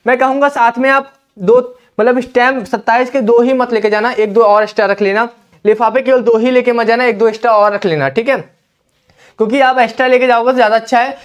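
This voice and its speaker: A man's voice: very high voice, fairly even intonation, fast talker. A young man coaching exam candidates at a whiteboard, giving instructions and often checking in with "theek hai". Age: young adult. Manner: instructive, repeats "ठीक है" often. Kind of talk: whiteboard lesson. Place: indoor classroom at a whiteboard. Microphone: lapel mic.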